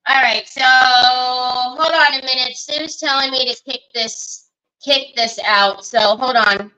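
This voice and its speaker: A woman with a high, bright voice hosts a casual crafting livestream from her computer mic. She talks in a slow, easygoing way, stopping often to greet viewers by name. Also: steady tone, lo-fi sound. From Northern California.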